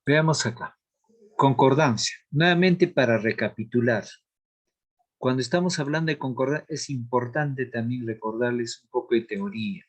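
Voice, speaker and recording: A man teaching a grammar lesson, explaining rules slowly and deliberately, reading out examples and checking in with the class. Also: medium pitch. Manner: asks checking questions of the class.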